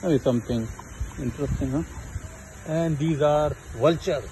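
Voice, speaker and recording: A man's voice: fairly high pitch, normal speed. A young adult man with a South Asian accent, a native Hindi-Urdu speaker, chatting casually as he vlogs outdoors. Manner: chatty, talks to the animals. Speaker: vlogger. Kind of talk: casual zoo vlog chat. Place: outdoor zoo. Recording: noisy outdoor phone recording.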